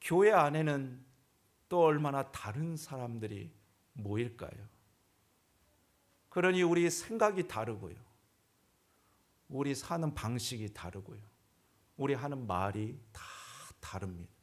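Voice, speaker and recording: Pastor asking rhetorical questions. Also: male voice, medium pitch, animated, a little slow, pauses often. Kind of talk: sermon. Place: church.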